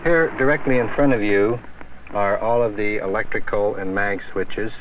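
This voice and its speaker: A man's voice: lowish voice, moderate pace. A man working as a flight instructor, giving hands-on instruction one step at a time. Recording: dull distant recording, loud aircraft engine noise. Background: aircraft engine noise.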